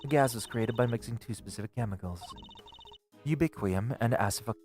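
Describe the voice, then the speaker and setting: A man's voice: mid-range voice, normal speed, darkish tone, faint music behind, close to an everyday voice. A man voicing a smug, pompous judge with formal diction in a live reading of a game. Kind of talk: live voiced game playthrough.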